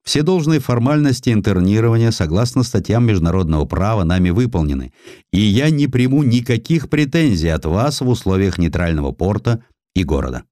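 A man's voice: lowish voice, sing-song, brisk, warm tone, no room sound, studio quality, voice pushed up. A man playing a proud, defiant Russian destroyer commander, firm and formal, in an audiobook. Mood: formal defiance.

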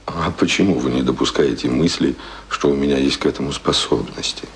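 An actor in a radio play playing an earnest, passionate young self-taught would-be writer, speaking ardently and poetically. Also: male voice, rumbling low, fairly quick, a little hiss or hum. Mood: earnest, determined.

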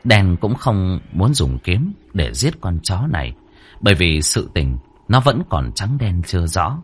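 A man narrating a scripted story with dramatic, expressive delivery. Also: low-pitched, a little slow, husky.

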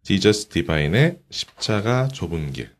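A man hosting a casual talk show with a stuffy nose, chatty and quick to laugh. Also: low voice, sing-song. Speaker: radio show host. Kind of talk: casual studio chat.

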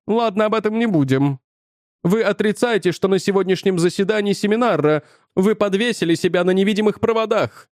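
A man voicing an agitated older male physics professor with a shrill voice, accusing and insistent. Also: fairly quick, darkish tone, no echo, clean studio sound, natural voice. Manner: accusing, insistent, increasingly frantic.

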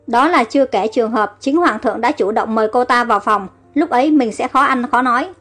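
Female audiobook narrator, high-pitched, reads all the parts herself over faint music. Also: fairly quick, a bit bright. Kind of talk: audiobook story reading.

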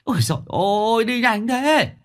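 A man's voice: expressive, normal speed. A man voicing a panicking, lame old man who wails for the others to wait. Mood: wailing. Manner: shrill wailing.

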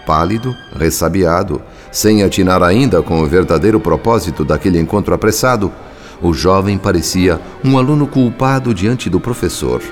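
A man's voice: deep voice, normal speed, lightly acted. An actor playing a grave spirit narrator, a Brazilian man telling a radio drama in a solemn literary style. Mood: grave, disapproving. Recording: music under the narration. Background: background music.

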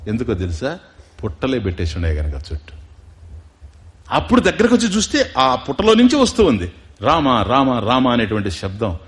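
A man's voice: mid-range voice, wildly swooping pitch. A man giving a religious discourse, telling a devotional story, asking his listeners questions and acting out the characters' lines. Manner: slows down for emphasis, chants Sanskrit verses. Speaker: spiritual discourse speaker.

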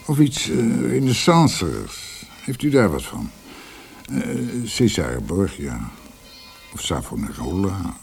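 An actor playing a blunt, jovial middle-aged composer in a radio drama, with a halting, teasing delivery. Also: male voice, low voice, huge pitch swings, creaky, soft background music, exaggerated voice. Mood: bargaining.

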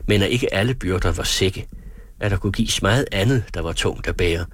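Deep husky male audiobook narrator. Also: no room sound, studio quality.

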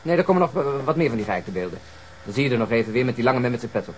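An actor playing a blunt, sardonic police detective in a Dutch radio drama. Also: male voice, medium pitch, lively intonation, racing, a little hiss or hum, close to an everyday voice, poor audio. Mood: wry, brisk. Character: sardonic male police detective commenting on evidence film.

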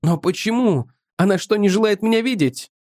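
A man's voice: high-pitched, normal speed, darkish tone, no echo, clean studio sound, pitched above the performer's own voice, close to an everyday voice. A man voicing an impatient, eager young man in an audiobook, raised and urgent. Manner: urgent, insistent. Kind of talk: audiobook character voice.

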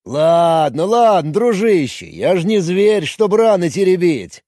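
A man voicing a big, bluff, good-natured Russian engineer who talks loud and teases, in a husky voice. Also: sits high, big pitch swings, a little slow, no room sound, studio quality, voice pushed up, exaggerated voice. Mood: jovial. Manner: loud jovial teasing.

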